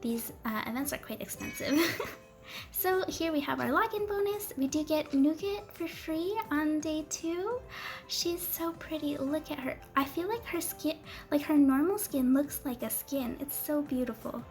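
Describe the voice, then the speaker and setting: A young woman chatting casually through a game walkthrough, giggly and full of ums, her voice going hoarse as she loses it. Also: high voice, lively intonation, measured pace. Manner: chatty and giggly, gushing over cute characters, many ums. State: losing her voice, coughing. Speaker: gaming video creator. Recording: faint music underneath.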